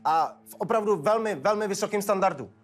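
A man's voice: high voice, natural voice. An actor playing a divorced father who protests in exasperation. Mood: exasperated. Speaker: petitioner father. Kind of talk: courtroom TV show acting.

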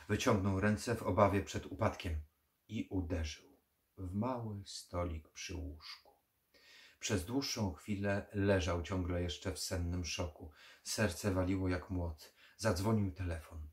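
A man reading a horror novel aloud in a slow, measured, dark manner. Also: deep voice. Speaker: audiobook reader. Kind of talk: horror audiobook narration.

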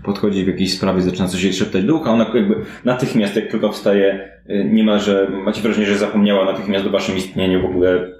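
A man's voice: lowish voice, fairly even intonation, fast talker, hardly any pauses, darkish tone. A man acting as game master, improvising narration for a tabletop role-playing game. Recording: echoey room with clear background noise.

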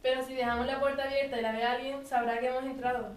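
A teenage girl rattles off scripted lines very fast. Her high voice stays even, in an echoing room. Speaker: student acting in radio play. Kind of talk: scripted dialogue. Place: school classroom. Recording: roomy classroom, faint noise.

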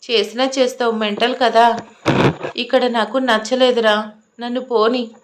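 A woman's voice: fairly high pitch, little pitch movement, normal speed, slight background noise, lightly acted. Woman voicing defiant angry heroine. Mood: indignant, angry. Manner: indignant, argumentative.

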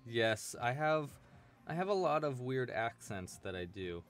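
A chatty young man leads a live crochet lesson from home, his voice rising and falling in an animated way. He jokes and answers chat as he works at a desk mic. Soft music plays quietly behind him. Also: medium pitch, unhurried. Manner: chatty, playful, laughs often, reads chat aloud. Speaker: crochet teacher. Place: small room at home, indoors.

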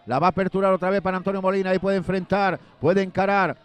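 High-pitched man, breakneck excitable goal commentary. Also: fast, clear, resonant tone. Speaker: football play-by-play commentator. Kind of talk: live football match commentary. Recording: live outdoor stadium noise. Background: match ambience at an outdoor ground.

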